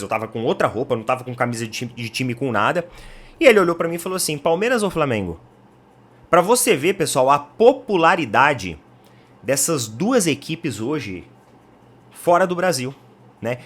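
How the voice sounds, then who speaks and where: A man with a Brazilian Portuguese accent, hosting a football opinion channel in a chatty, animated way and speaking straight to his viewers. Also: mid-range voice. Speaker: football commentary channel host. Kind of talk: casual football opinion talk.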